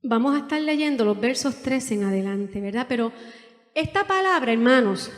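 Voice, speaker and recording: A woman preaching a sermon in a church, emotional and pleading, reading scripture slowly. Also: high voice. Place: church hall. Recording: reverberant church hall.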